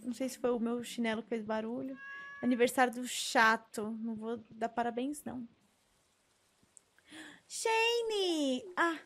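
A streamer with a Brazilian Portuguese accent chats to herself while playing a farming game, giving gameplay commentary. Her voice sits on the high side with little pitch movement, and she speaks fairly quickly.

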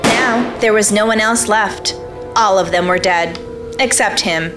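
A woman's voice: mid-range voice, unhurried. A woman reading scripted radio play narration on a stage. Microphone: stand microphone. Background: music.

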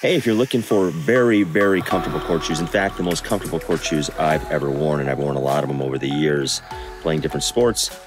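Deep-voiced man reading an ad over music. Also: fast talker. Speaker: host reading an ad. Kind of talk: ad read.

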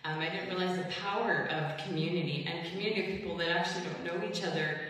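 A woman's voice: lowish voice, quick pace. A woman in her thirties giving an emotional, earnest personal testimony to her congregation, speaking into a stand mic in a chapel. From Wisconsin. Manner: earnest, emotional, with soft laughs. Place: large chapel with hard walls. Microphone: stand mic, heard from a distant camera. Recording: echoey chapel, voice far from mic.

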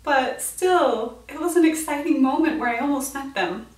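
Speaking at normal speed in a voice that sits high, an American vlogger in her twenties recounts a story casually and dramatically, quoting how people reacted. She's filming indoors in a small, bright room with a bookshelf. A far-off mic gives the recording a roomy echo.

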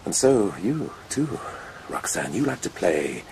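An actor playing a pompous, amorous colonel in a radio drama, wooing ardently with breathy murmurs. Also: male voice, low voice, big pitch swings, a little slow, darkish tone, a little hiss or hum, full character voice. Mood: gloating. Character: smug, amorous colonel and nobleman, ardent would-be seducer. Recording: radio play with clear background ambience.

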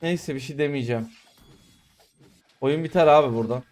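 A man commentating his own mobile game match, griping about his teammates with sudden excited outbursts. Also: mid-range voice, normal speed. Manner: exasperated, complaining about teammates. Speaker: gamer streamer. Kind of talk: live gameplay commentary.

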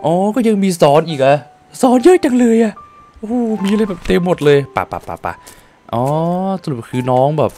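A man's voice: a little high, a little fast, soft background music. A man playing a video game, reading out and translating the dialogue in a casual, joking way. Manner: lively, laughs often, swears casually. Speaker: gaming streamer. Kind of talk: casual let's-play commentary, translating dialogue.

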